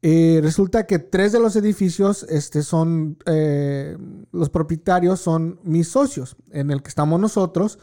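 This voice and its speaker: A man's voice: on the high side, unhurried, hardly any pauses, dark tone. A man, chatting casually and telling a profane story, dropping in English words. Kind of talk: casual chat.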